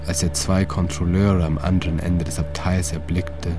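A man with a very low voice reads a literary story in a calm, measured way, pausing between phrases. Loud music and sound design play under his voice throughout. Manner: calm, measured reading with pauses. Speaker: narrator. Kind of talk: scripted literary narration.

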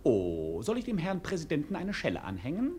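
An actor playing a mocking, cheerfully cynical court fool in a classic radio play, theatrical and impudent. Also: male voice, fairly high pitch, huge pitch swings, fairly quick, dark tone. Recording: noisy old radio play recording.

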